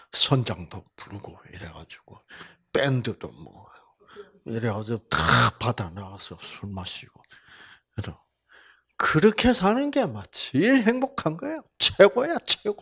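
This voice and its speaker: An older man from Busan, giving a Bible lecture with personal testimony, telling stories folksily and swinging between loud exclamations and soft asides. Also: on the low side, slightly rough. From Korea (Busan). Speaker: health seminar lecturer.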